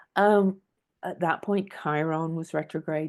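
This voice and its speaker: A woman is speaking. The background is quiet. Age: 60s. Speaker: astrologer. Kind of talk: solo talk video on astrology. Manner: hesitant, many fillers and restarts.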